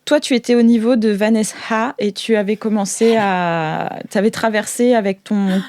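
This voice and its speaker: A woman hosting an improvised tabletop game, narrating in an informal, halting, giggly way. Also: medium pitch, steady tone, a little mellow, dry recording, clean studio sound. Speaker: game master, show host.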